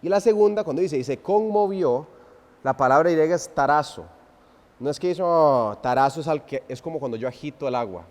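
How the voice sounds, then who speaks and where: A man with a voice on the high side preaches an expository sermon in a church sanctuary, moving between loud emphasis and hushed, drawn-out phrases while posing rhetorical questions to the congregation. The church hall gives a long reverb.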